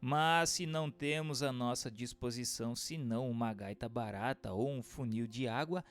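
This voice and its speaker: A Brazilian man playing a learned, solemn spirit who instructs mortals in a declamatory, deliberate radio drama monologue. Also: medium pitch, natural voice. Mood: solemn, explanatory. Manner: declamatory, deliberate, emphatic phrasing. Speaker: voice actor in an audio book dramatization. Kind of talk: scripted radio drama monologue, didactic reading. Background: music.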